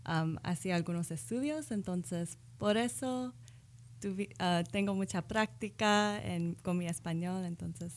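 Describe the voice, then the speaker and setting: A social work professor from the United States appears as an interview guest, answering in Spanish, a language she learned later and not her first. Her fairly low voice moves at a measured pace, and she's careful and thoughtful, correcting herself as she goes.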